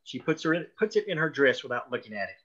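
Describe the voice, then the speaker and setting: A man reads screenplay stage directions. His mid-range voice is bright and forceful, though the recording is lo-fi and a bit dull. The delivery is scripted narration. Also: mid-range voice, big pitch swings, fast talker. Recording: dull lo-fi audio.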